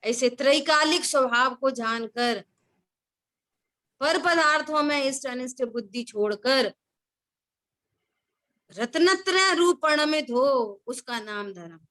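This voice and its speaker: A woman's voice: high-pitched, lively intonation, slow pace, long pauses, a bit bright. A woman teaching a scripture class, who keeps questioning her listeners and repeating key words.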